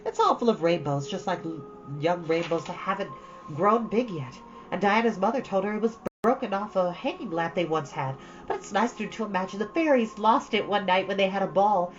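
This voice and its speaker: A woman's voice: on the low side, close to an everyday voice. A woman voicing a dreamy, romantic, chattering young girl in a storybook, gushing with dramatic earnestness. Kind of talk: storybook read-aloud. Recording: dull, lo-fi, faint background noise.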